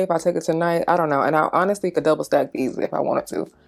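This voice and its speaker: A woman is speaking. Her voice has a medium pitch. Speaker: beauty youtuber. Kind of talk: makeup tutorial. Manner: casual, chatty.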